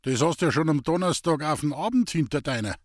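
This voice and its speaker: A man's voice: fairly high pitch, lively intonation, fast, no echo. A man doing a jovial old Bavarian farmer, hearty and teasing in broad dialect. His voice is lifted a little above the reader's own. Close, dry recording.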